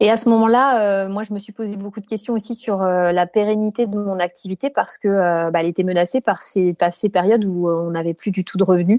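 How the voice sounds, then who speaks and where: A woman with an unremarkable speaking voice, medium pitch, fairly even intonation and hardly any pauses. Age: 40s. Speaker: tattoo artist and former cancer researcher. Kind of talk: casual interview.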